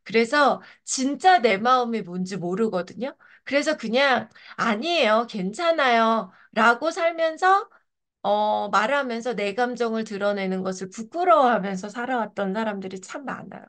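Lively middle-aged Korean woman leading a book talk. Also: fairly high pitch, normal speed. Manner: animated, acts out quoted thoughts, laughs often. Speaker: book club leader. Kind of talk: book discussion talk to an online group. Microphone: video call.

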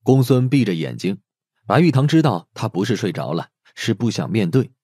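A man's voice: on the low side, sing-song, normal speed, darkish tone, slightly rough, no room sound, clean studio sound. A man narrating a scripted audio drama as a dramatic storyteller. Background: background music.

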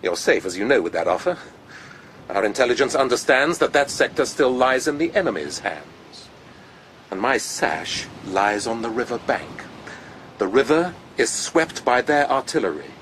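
An actor playing a haughty, spiteful aristocratic commander in a radio drama, with a pompous, sardonic drawl. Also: male voice, medium pitch, sing-song, normal speed, a bit bright, a little hiss or hum, low-quality recording. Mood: smug.

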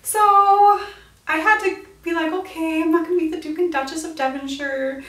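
Her pitch is extremely high but steady, her tone fairly bright, her pace moderate. She's an American vlogger in her twenties giving a casual, dramatic, chatty retelling to camera, complete with quoted reactions. The setting is a small, bright indoor room with a bookshelf, recorded on a distant mic with roomy echo.

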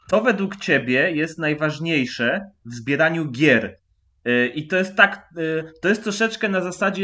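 A man's voice: fairly high pitch, sharp tone. A man hosting a casual, conversational interview over a video call. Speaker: interviewer, host.

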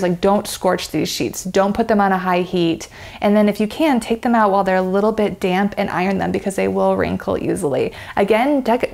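A woman's voice: medium pitch, creaky, a little mellow. A woman in her thirties with an American accent, giving a chatty, enthusiastic product review to camera while seated on a bed in a bedroom.

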